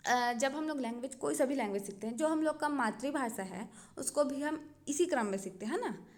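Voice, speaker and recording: A woman's voice: high-pitched, brisk. A woman with a Chhattisgarh accent teaching an exam-prep lecture, explaining step by step and often checking in with her students.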